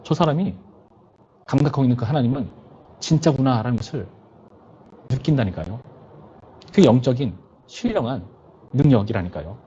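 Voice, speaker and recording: A man's voice: mid-range voice, lively intonation, normal speed, long pauses, warm tone, slightly rough, lo-fi sound. A male pastor preaching to a youth service in a conversational way, often putting questions to his listeners.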